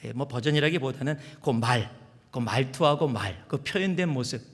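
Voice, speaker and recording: Middle-aged pastor guy from chungcheong preaching, goes from shouting to whispering, echoey church hall. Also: mid-range voice, animated, normal speed. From Chungcheong, South Korea. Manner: swings from loud exhortation to hushed whispers. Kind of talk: sermon. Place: large church sanctuary. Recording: long church hall reverb.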